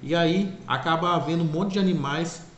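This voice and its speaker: A man's voice: a little high, moderate pace, fairly bright tone, lo-fi sound. A man casually retelling a cartoon's plot in a rambling way, often correcting himself. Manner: rambling, self-correcting, repeats "é claro". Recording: echoey room, faint ambient noise.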